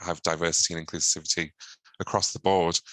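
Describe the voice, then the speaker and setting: On a very clean recording with a silent background, a man with a very deep, low pitch and a bright, sharp tone talks at a fairly quick pace with fairly even intonation, the sound dry and close with no echo. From northern England, Yarm near Middlesbrough. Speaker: patent attorney, committee chair. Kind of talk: podcast interview.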